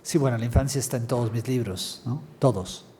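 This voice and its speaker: A man from Guatemala speaking as a writer on a panel, calm and reflective, often closing with short tag questions. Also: medium pitch, a little fast, slight background noise. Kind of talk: reflective conversation at a cultural talk. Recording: long hall reverb.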